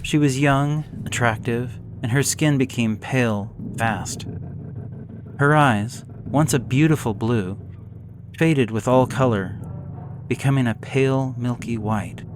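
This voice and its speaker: A man slowly reading a gothic horror story aloud in a measured, somber way. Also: medium pitch. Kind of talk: scripted horror narration. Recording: hissy background noise.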